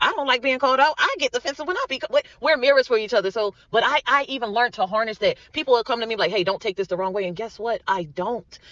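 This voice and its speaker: Over noticeable background noise, a man with an extremely high pitch talks at a very fast pace with hardly any pauses, his tone animated and his intonation lively. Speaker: podcast host. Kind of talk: motivational monologue. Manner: stutters when worked up.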